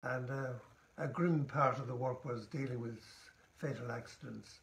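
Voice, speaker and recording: In an Irish accent, a somewhat breathy voice speaks with fairly even intonation amid audible room echo. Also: man. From Ireland, Tipperary. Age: 90s. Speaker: retired transport inspector and author. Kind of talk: casual interview. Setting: at home.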